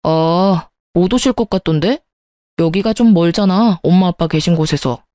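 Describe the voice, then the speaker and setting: A woman's voice: fairly low pitch, normal speed, warm tone, no echo, natural voice. A woman voicing a dismissive, irritable cheating husband in a spoken story, with curt and scornful retorts. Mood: irritated, dismissive.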